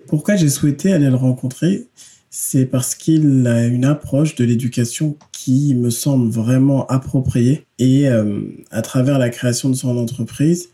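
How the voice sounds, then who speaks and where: A man hosting a podcast, reading a clear, steady intro and then chatting easily with his guest. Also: mid-range voice. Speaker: podcast host, social educator. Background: faint music under intro.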